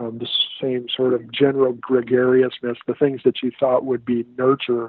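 In an American accent, a man with a plain, everyday voice speaks at medium pitch and a moderate pace. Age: 50s. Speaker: runner sharing personal story. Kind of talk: personal testimony.

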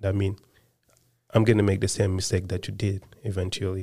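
Somewhat breathy and with monotone, flat intonation, the speaker talks at a moderate pace in a Senegalese accent. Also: man. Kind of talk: casual interview chat. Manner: halting, many fillers.

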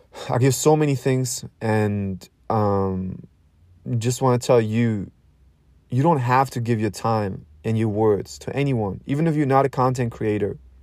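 In a non-native accent, a man talks at a fairly slow pace with a medium pitch and ordinary pitch variation. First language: not English. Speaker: podcaster. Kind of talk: casual monologue.

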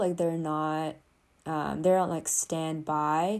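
A woman with a fairly low pitch comes through on a very clean recording, its background silent. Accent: Japanese. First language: Japanese. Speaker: solo podcaster. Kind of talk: casual monologue. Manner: hesitant, many fillers.

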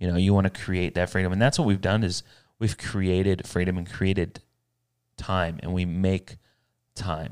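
A man speaks at a moderate pace with a very deep, low pitch and fairly even intonation. His long, frequent pauses sit in a very clean recording with a silent background. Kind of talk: casual chat. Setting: studio. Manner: loud.

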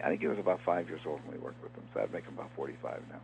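A man talks at a very fast pace. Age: 70s. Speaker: TV producer. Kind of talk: interview.

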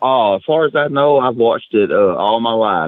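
A man with a Southern US accent speaks at a fairly quick pace. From Tennessee. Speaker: former pro wrestler and action figure maker. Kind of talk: casual chat.

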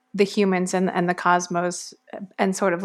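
A woman of medium pitch speaks with vocal fry in a monotone, flat intonation. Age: 30s. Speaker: podcast host and magazine editor. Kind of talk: interview.

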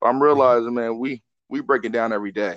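A man with an American accent and a normal speaking voice, medium in pitch, at a fairly quick pace with fairly even intonation. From US South. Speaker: podcast host. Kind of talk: casual interview chat.

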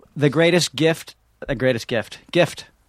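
Recorded dry and close with no echo, a man with an American accent talks in an ordinary speaking voice with ordinary pitch variation. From New York. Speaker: comedian and podcast co-host. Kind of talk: casual chat.

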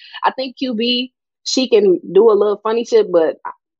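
Lively intonation marks this woman's fairly high voice, delivered at a moderate pace in a dry, close sound with no echo. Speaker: podcast co-host. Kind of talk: heated argument, shouting. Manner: loud, combative, animated.

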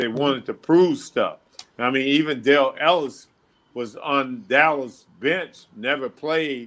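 An unremarkable speaking voice with an American accent moves at a fairly slow pace. Its pitch varies in an ordinary way. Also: man, fairly high pitch for a man. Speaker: former pro basketball player and coach. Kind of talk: interview.

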